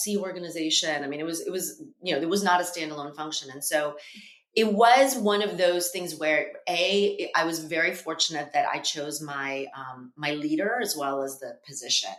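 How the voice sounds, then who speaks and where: A woman talks with lively intonation at a fairly low pitch. Audible room echo surrounds her voice. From Russia, moved to US at seven. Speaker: business executive. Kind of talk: interview. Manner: fast; animated.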